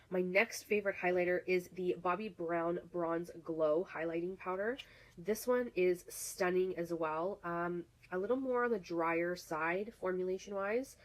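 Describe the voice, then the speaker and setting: Woman, beauty vlogger, low-pitched, casual gushing review, lots of fillers, recovering from a cold. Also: low-quality recording. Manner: chatty, many fillers and restarts, gushing. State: getting over a cold, coughing.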